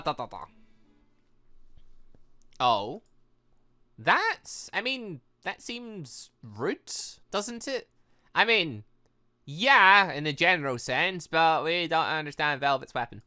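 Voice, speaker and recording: A chatty gaming host with a bright, forceful voice and a very lively, swinging pitch. They ramble and think aloud in casual let's play commentary, excitable in manner, with music playing underneath.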